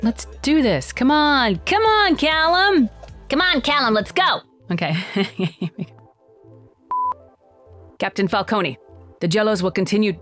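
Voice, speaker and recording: A woman's voice: a little high, lively intonation, unhurried, long pauses, fairly bright tone, soft background music. A woman audiobook narrator in studio outtakes, breaking into giggles as she reads. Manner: giggling, breaking up mid-line. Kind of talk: studio outtakes, reading and laughing.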